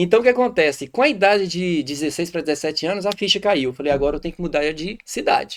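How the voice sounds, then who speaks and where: A man with a slight Bahian accent talks at a very fast pace with hardly any pauses. His high voice carries lively intonation. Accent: slight Bahia-like. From Brazil, Salto da Divisa, Minas Gerais near Bahia. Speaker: entrepreneur. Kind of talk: podcast interview, life story.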